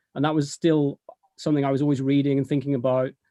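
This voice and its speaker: A man's medium-pitched voice with a British accent, flat and monotone throughout. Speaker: electronic musician. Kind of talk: interview.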